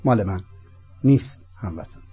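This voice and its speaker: A man from Iran with a Persian accent, hosting a political program as an emphatic, declamatory monologue in deliberate, repeated phrases. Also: on the low side, expressive, husky. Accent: Persian (Iranian). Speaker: host of a political talk program. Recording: dull lo-fi audio with music underneath.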